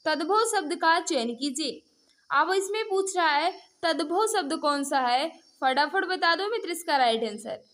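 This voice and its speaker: Female online tutor, high voice, interactive mock-test delivery, repeatedly prompting learners and addressing them directly. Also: a bit bright. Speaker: teacher hosting an online exam-prep class. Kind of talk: interactive mock-test lesson, quizzing viewers.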